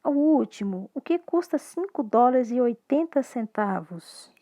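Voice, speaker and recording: Speaking in an animated voice on the high side with a dark tone, a Brazilian Portuguese-accented woman gives a recorded English lesson. She talks slowly and clearly, moving back and forth between English and Portuguese.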